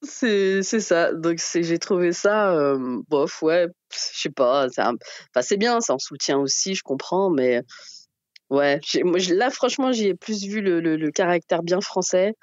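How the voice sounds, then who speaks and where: A man's voice: high-pitched, expressive, unhurried, no echo, highs cut off. A man chatting casually in an indifferent, shrugging, noncommittal way. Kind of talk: casual chat.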